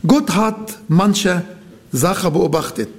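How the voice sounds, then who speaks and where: Guy preaching, earnest, says things twice, kinda high voice. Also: lively intonation, slow. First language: Arabic. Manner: earnest, repeats key phrases, non-native grammar. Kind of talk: sermon.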